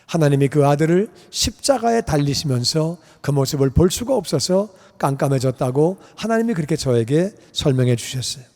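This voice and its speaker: Middle-aged Korean pastor in echoing church. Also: male voice, a little high, fairly quick, hardly any pauses. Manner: animated storytelling, acting out dialogue. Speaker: pastor and missionary. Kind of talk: sermon with personal story. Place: church sanctuary. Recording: long church hall reverb.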